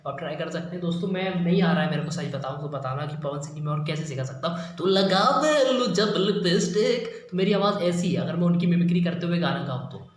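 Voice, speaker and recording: A man's voice: fairly high pitch, fast talker, few pauses. A man casually teaching mimicry in a rambling, self-deprecating, apologetic way. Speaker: mimicry tutorial YouTuber. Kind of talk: casual spoken tutorial. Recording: very echoey room, faint noise.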